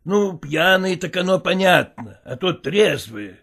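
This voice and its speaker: A woman's voice: lowish voice, big pitch swings, a little slow, creaky, fairly bright tone, pitched above the performer's own voice, exaggerated voice. A woman reading a story aloud, voicing a puzzled old tailor in a mild, plain voice. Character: bewildered, bearded old tailor, man.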